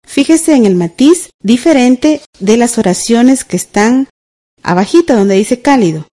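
Woman, calm radio co-teacher, mellow voice. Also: fairly high pitch. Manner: calm, explains slowly and clearly. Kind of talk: radio school lesson.

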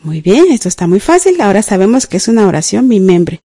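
A woman's voice: medium pitch, big pitch swings, fast, warm tone, husky. A woman teaching a scripted radio grammar class. She is patient, spells words out and checks in with the listener.

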